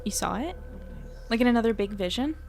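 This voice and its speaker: Creaky-voiced, guarded young woman played by an actress. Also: a little high, animated, brisk, darkish tone, soft background music. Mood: puzzled. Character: guarded young woman, new in town, independent. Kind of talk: naturalistic audio drama acting.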